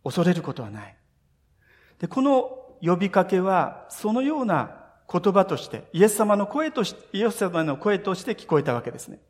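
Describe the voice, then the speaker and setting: A man's voice: high voice, big pitch swings, moderate pace, darkish tone. Earnest male pastor preaching in a reverberant hall. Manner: earnest storytelling, speaks directly to listeners, voices scripture quotes. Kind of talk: sermon. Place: church sanctuary. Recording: long reverb of a church hall.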